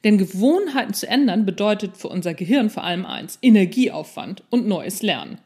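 Here a podcast host and non-fiction author talks in a mid-range voice that is dark and slightly rough, with lively intonation and a moderate pace. Her solo show is casual and conversational, aimed right at the listener and laced with jokes at her own expense.

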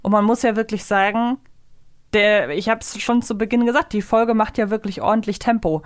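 A woman's voice: medium pitch, steady tone, moderate pace, dry recording. A woman co-hosting a podcast, casually but earnestly arguing her points and often rephrasing herself as she goes. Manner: earnest, argues her point, self-correcting. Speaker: podcast co-host. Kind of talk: casual analytical review chat.

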